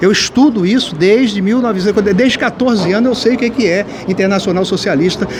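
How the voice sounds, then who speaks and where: The pitch varies in an ordinary way. Noticeable background noise can be heard. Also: man. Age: 60s. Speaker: retired judge and political candidate. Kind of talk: interview.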